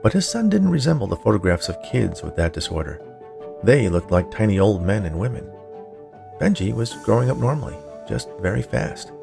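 Low-pitched man narrating fiction over music. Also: big pitch swings, normal speed, gravelly. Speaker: writer, narrator and producer of a fiction podcast. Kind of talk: scripted audiobook-style story narration.

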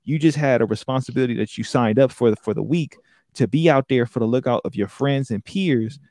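A man's voice: medium pitch, brisk, a little mellow, dry recording, clean studio sound. A young man from San Francisco, talking casually and reflectively, explaining his points. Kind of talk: casual conversation.

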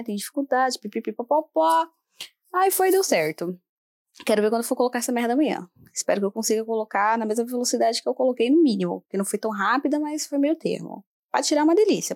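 A woman's voice: fairly high pitch, darkish tone, no room sound. Chatty young woman podcaster, dry sound. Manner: chatty, self-mocking, swears casually. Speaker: podcast host. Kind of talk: casual solo podcast chat.

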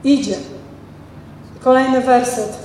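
A woman pastor preaches with a high, bright-pitched voice that rings through a church hall. She reads scripture and then retells it with emphatic, expressive preaching. The mic sits well away from her, so long reverb and faint room ambience surround every phrase. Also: slow, distant mic, a little hiss or hum. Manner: ends in prayer. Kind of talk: sermon.

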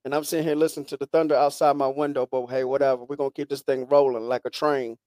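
A man's voice: medium pitch, little pitch movement, fast talker, a little mellow, no room sound, clean studio sound. A man hosting a podcast with casual, informal sports talk, often repeating phrases as he goes. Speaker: podcast host.

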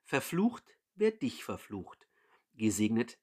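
A man voicing an old blind father who gives a solemn, measured blessing. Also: mid-range voice, sing-song, a little mellow, breathy edge, exaggerated voice.

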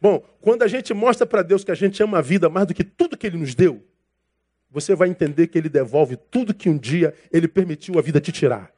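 A man delivers a sermon as a pastor, in a notably high voice. He keeps it casual and slangy and addresses the congregation as brother. He acts out conversations from his anecdotes. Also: expressive, a little fast, a little mellow. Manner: casual, slangy preaching that calls listeners brother; acts out dialogue from his stories.

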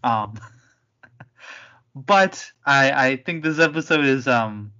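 A woman in her late twenties hosting a podcast, relaxed and a bit hesitant in casual chat. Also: extremely low pitch, slow pace, muffled recording. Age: 20s. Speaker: podcast host.

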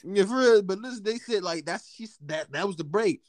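A young man with a deep voice rambles through a casual chat, slangy and easygoing, stumbling over restarts and breaking into quick laughs. His voice sounds close and dry, with next to no room around it. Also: expressive, no echo. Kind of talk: casual chat between friends.

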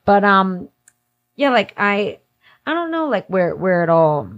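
A woman's voice: mid-range voice, very animated, a little slow, lo-fi sound. A twenty-nine-year-old woman speaking as an interview guest in casual, candid conversation, with slangy, informal phrasing full of "like". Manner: informal slang-filled talk, heavy use of "like". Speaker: interview guest working in music industry event production.

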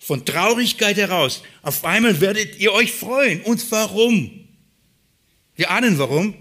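A man preaching a sermon, reading scripture and explaining it, moving between hushed, quiet passages and emphatic, raised ones. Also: high-pitched, expressive, normal speed.

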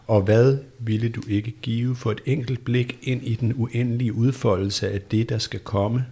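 A man's voice: mid-range voice, steady tone, mellow, husky. A man reading the part of Salome, a blind young woman, in a pleading, earnest way during an amateur read-through.

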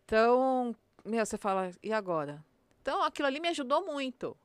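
A woman's voice: sits high, expressive, fast, clear, resonant tone, dry recording. A woman police sergeant with a São Paulo accent, talking bluntly and with slang in a casual interview. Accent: São Paulo Portuguese. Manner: blunt, slangy, acts out street commands.

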